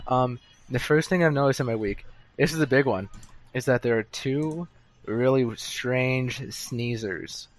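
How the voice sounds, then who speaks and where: A man's voice: medium pitch, a little slow. A young man co-hosting a podcast from a pub, telling office stories in a rambling, self-interrupting casual chat. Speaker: podcast co-host. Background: bar chatter.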